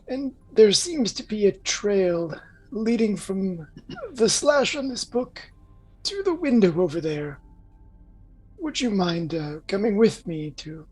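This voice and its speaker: A woman plays a courteous, curious magic user in a tabletop game. The voice is husky and slow, with a hesitant politeness. Music sits faintly behind. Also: mid-range voice, a little mellow, poor audio. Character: polite, curious spellcasting investigator. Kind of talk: tabletop role-play.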